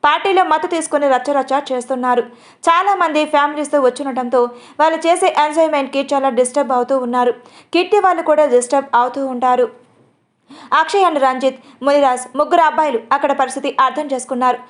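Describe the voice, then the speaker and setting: A woman narrates a dramatic audio story. Her voice sits high and she reads at a quick, brisk pace. The delivery is steady storytelling.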